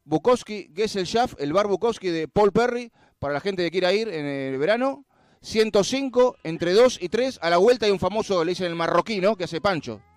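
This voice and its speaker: Speaking with a Rioplatense accent, a man has a high pitch. His intonation is lively. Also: moderate pace, dry, close sound with no echo. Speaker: radio host. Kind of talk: radio interview.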